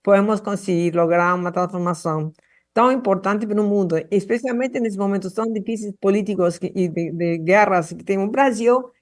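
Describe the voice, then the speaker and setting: Woman addressing a hearing remotely, earnest, full of stops and restarts, mid-pitched. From Argentina. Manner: halting, many restarts and fillers; passionate, earnest. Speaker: guest speaker at a public hearing.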